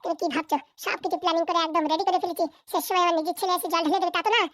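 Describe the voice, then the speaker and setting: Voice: very high voice, steady tone, rapid-fire, fairly bright tone. A performer voicing a ruthless, ambitious, bossy wife and mother in a Bangla comedy cartoon, scheming coldly.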